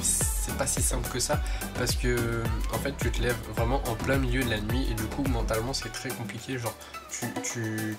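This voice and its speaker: A young man with a stuffy, congested voice chats casually to his viewers, wandering through his points with plenty of fillers. His pitch sits in the middle, and music plays clearly behind him. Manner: chatty, rambling, with many fillers. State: stuffy nose from a cold. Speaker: vlogger. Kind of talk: casual vlog chat.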